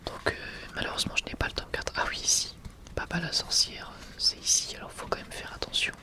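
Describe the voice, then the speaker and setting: This whispered ASMR manga showcase moves along briskly, with the creator using a gentle, airy whisper that stays unvoiced.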